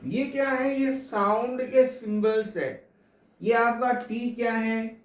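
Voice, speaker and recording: A man teaching English literature for exams, explaining slowly and repeating key points to his students. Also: very high-pitched, fairly even intonation. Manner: slow, repetitive explaining, addresses students as kids. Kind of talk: exam coaching lecture. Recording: echoey room.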